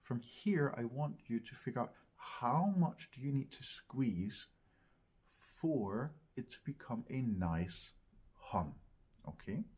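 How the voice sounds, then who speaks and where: A man teaching vocal technique in an instructional video, explaining gently step by step and often checking in. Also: medium pitch, expressive, takes it slowly, slightly rough. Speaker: vocal coach, host of a tutorial series.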